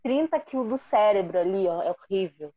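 A woman's voice: medium pitch, lively intonation, a little fast, lo-fi sound, crowd noise. A woman with a Brazilian accent, a podcast guest chatting candidly and teasing her hosts. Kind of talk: casual chat.

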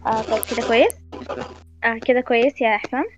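A woman host, talking briskly over an online call on a bad connection that keeps cutting out. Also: on the high side, fairly even intonation, music in the background. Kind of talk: online panel hosting. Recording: dull lo-fi call audio.

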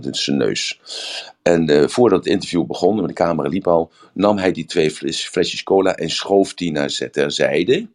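Very deep-voiced older man, rambling. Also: darkish tone. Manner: rambling, searching for words, with anecdotes. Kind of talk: casual talk.

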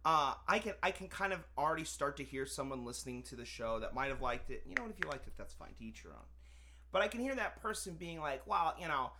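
A man co-hosting a casual movie review podcast, animated and sarcastic, swearing and acting out scenes. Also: a little high, fast talker, a little hiss or hum. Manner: animated, sarcastic, swears, acts out quotes loudly. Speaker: podcast co-host.

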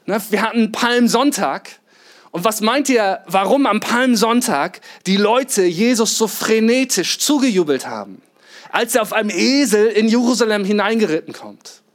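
Male pastor, higher than usual voice, lively sermon storytelling with acted-out lines and questions to the congregation. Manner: lively storytelling, acts out quotes, rhetorical questions.

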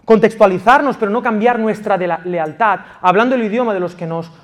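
A man from Spain preaching a passionate sermon as pastor of a church, swinging from loud emphasis to quiet intimacy. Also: sits high, a little fast. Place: church in Valencia.

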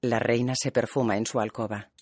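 A man calmly narrating scripted audio description for a film. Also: medium pitch, fairly quick, no room sound, studio quality. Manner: calm, even narration.

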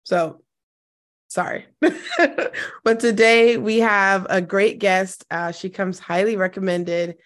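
A woman hosting a casual podcast interview, hoarse and scratchy after losing her voice, laughing often and poking fun at herself. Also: mid-range voice, flat delivery, slow pace. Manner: laughs often, self-deprecating. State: hoarse, lost voice. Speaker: podcast host.

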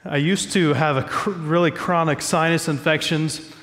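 A man's voice: a little high, steady tone, normal speed, fairly bright tone, in a large hall, a little hiss or hum. A man preaching a sermon as pastor, stuffy from a cold, talking in a conversational, self-joking way from a church stage.

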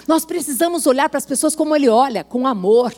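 High-voiced woman preaching a sermon. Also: lively intonation, quick pace, darkish tone. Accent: Brazilian Portuguese. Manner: earnest, exhorting, acts out quoted dialogue.

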